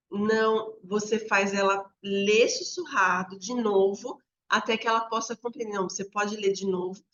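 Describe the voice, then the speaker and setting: Bright-voiced woman teaching reading. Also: mid-range voice. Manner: explains step by step, frequent "né?" checks with listeners. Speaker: literacy educator. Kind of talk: explanatory teaching talk. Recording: slightly dull lo-fi recording.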